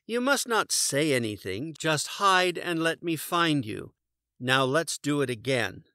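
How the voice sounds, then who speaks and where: Guy as a short-tempered storybook bear, bossy and blustering, forceful, swoopy pitch. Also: sing-song, measured pace, no room sound, studio quality, exaggerated voice. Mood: exasperated. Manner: exasperated, emphatic, growly bluster.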